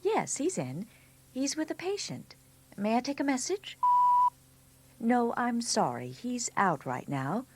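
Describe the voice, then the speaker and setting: A woman's voice: a little high, sing-song, takes it slowly, long pauses, darkish tone, husky, heavily acted. A woman playing a curt, snippy hospital phone user in a training-film skit. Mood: cool, businesslike. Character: slow-talking, snippy woman hospital phone caller and secretary.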